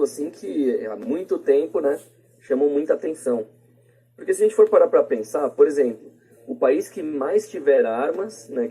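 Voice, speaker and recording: A Brazilian man appears as a podcast guest, casually sharing his opinions in a colloquial, rambling style full of tag questions. His mid-range voice is warm and slightly rough. It's a plain podcast voice recording of low quality.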